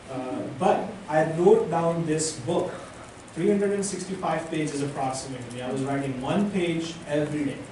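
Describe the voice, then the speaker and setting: Audible echo fills the room. There is noticeable background noise too. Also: man. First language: not English. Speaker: physician lecturer. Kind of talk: lecture. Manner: halting.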